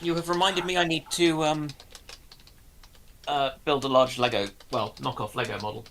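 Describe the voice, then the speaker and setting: A man chatting casually as a live stream panelist, halting and repeating words as he thinks. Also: a little high, steady tone, fairly bright tone, a little hiss or hum. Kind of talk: casual chat.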